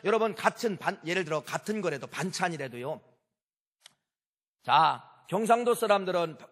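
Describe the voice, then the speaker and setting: A man's voice: sits high, fairly bright tone, long reverb tail. A male pastor preaching a sermon, emphatic, repeating key phrases and putting questions to the congregation.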